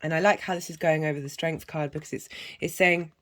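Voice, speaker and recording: Husky woman reading tarot cards. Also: sits low, steady tone, a bit bright. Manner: reflective, halting with many fillers and restarts. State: hoarse from a cough. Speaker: tarot reader. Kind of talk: casual spoken tarot reading.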